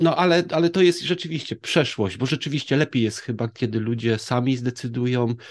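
A plain, everyday voice speaks at a fairly quick pace with ordinary pitch variation. The background is quiet. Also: man, medium pitch for a man. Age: 50s. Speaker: podcast host. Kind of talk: casual interview.

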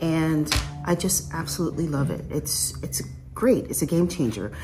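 A woman speaks at a moderate pace over music in the background. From Canada. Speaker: YouTuber and teacher. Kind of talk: casual vlog tutorial. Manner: animated.

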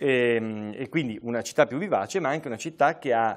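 This man's voice sits in the middle range, and its pitch rises and falls in an ordinary way. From Belluno, Veneto, northern Italy; Veneto, Italy. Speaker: mayor. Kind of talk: TV interview. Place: studio. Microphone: lapel.

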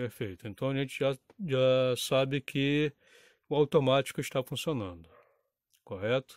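A man talks fairly slowly, leaving long, frequent pauses, with ordinary pitch variation. The sound is dry with no echo over a quiet background. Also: medium pitch for a man. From Brazil, Rio de Janeiro city. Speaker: electronics repair YouTuber. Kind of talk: tutorial. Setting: home workshop. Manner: halting, many fillers. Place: workshop. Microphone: phone near.

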